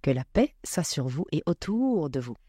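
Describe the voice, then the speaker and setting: A woman speaking as a podcast guest, reflecting on spiritual matters with many pauses and fillers. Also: sits low, big pitch swings, mellow, husky, dry recording.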